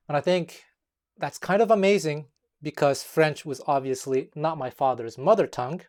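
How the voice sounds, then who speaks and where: A man from Montreal whose first language is Taiwanese speaks to the camera in a measured video essay. He chooses his words carefully and often pauses on um and uh. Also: mid-range voice, a little mellow. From Montreal, Quebec, Canada. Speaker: guitar teacher and musician.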